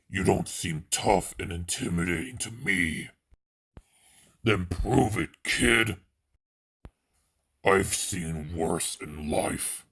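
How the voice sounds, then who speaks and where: A husky, low-voiced beast-man monster acted by a man speaks very slowly. He is bitter and world-weary, a brooding fighter who threatens with open contempt. The gravelly growl suits a menacing fan-made creature character. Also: exaggerated voice.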